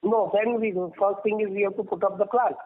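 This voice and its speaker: High-voiced Indian executive on a phone line. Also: male voice, fairly even intonation, fairly quick, a little hiss or hum. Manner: emphatic, repeats himself for stress. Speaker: company executive. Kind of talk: unscripted answers on an earnings call. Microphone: telephone. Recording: muffled narrowband phone conference line.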